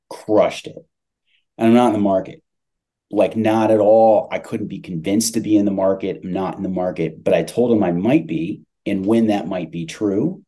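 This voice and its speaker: A man with a low, mellow voice, the CEO of a tech company, talks business as a guest in a conversational podcast interview. He stresses his points by repeating phrases.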